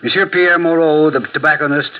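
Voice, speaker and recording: A man's voice: on the high side, steady tone, fairly quick, phone-quality sound, natural voice. Man playing a dry, sardonic detective. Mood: narrating. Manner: dry, ironic. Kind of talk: radio play narration and acting.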